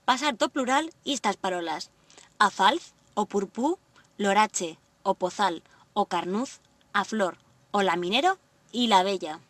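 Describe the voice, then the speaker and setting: A woman presenting a language lesson, reading example words slowly and deliberately. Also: mid-range voice, expressive, fairly bright tone, dry recording, distant mic. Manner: clear, deliberate word-by-word reading. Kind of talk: scripted lesson narration.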